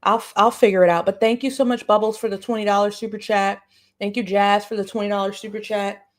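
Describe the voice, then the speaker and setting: Woman, live-stream host, casual commentary, informal slangy phrasing, middle-pitched voice. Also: flat delivery, fast talker. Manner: informal, slangy, says y'all often. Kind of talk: casual live reaction chat.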